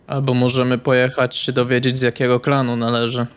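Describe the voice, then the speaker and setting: A man's voice: mid-range voice, level tone, brisk, clean tone. A man playing a tabletop role-playing game, describing his character's actions in a conversational way.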